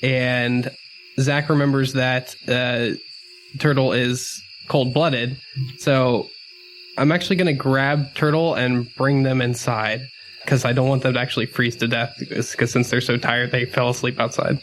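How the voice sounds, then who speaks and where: A man with a medium-pitched voice talks through his character's actions in a tabletop game. His style is casual and unscripted, with faint noise and crickets behind him. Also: little pitch movement, unhurried, a bit bright, poor audio. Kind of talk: casual in-character description during a role-playing game.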